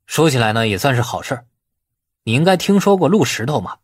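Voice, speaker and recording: A man voicing a shrewd, bossy man who gives orders in a brisk, casual, persuasive way in an audiobook. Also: mid-range voice, very animated, breathy edge, no echo, clean studio sound. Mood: matter-of-fact.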